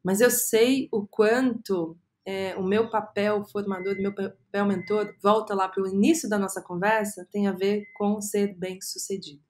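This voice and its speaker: A woman in her thirties with a Brazilian Portuguese accent, a podcast guest telling her career story earnestly and often filling pauses with "é". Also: medium pitch, fairly even intonation, darkish tone. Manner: earnest, storytelling, frequent "é" fillers. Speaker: guest, agency co-founder. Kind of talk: reflective podcast interview.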